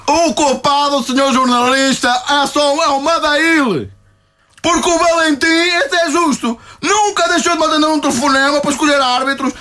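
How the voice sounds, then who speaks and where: A man putting on a squeaky, shrill football club president with a European Portuguese accent, rambling and defensive, forever protesting and chuckling to himself. The voice sits extremely high and bright and cutting, a radio comedy caricature. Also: moderate pace. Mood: indignant. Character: blustering provincial male football club president.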